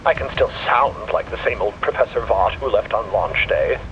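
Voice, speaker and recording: A man's voice: fairly low pitch, moderate pace, long reverb tail, dull audio, noisy background, lightly acted. A man playing a curt, guarded professor explorer with formal, articulate diction in an audio drama. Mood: curt, irritable. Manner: formal, clipped, evasive. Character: male professor explorer with a mind in a machine body, guarded, curt. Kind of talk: audio fiction podcast acting.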